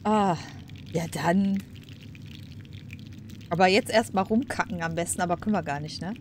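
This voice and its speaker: Female gaming host, lower register, chatty and musing, clear background noise. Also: normal speed. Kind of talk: casual let's play commentary.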